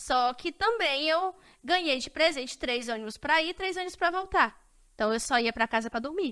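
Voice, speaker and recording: Raised and projected, a woman's high, bright, sharp voice swings very widely in pitch at a moderate pace. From Brazil, Maranhão. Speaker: podcast guest, university student. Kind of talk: personal testimony in interview.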